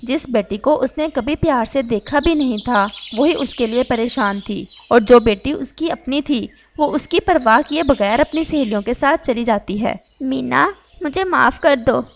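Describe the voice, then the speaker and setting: A woman calmly narrating a scripted children's cartoon story. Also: on the high side, moderate pace, few pauses, slight background noise.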